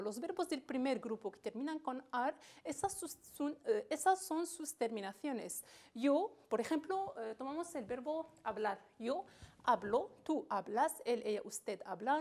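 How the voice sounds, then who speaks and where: A woman teaching a recorded grammar lesson, speaking slowly and deliberately with frequent hesitations. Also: sits high. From Morocco. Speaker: Spanish teacher.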